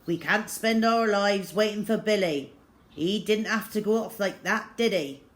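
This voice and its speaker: A woman's voice: mid-range voice, unhurried, pitched above the performer's own voice, lightly acted. A woman reading the part of a stern, embittered island father in a storybook, speaking bluntly and emphatically. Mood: sharp. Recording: clear background noise.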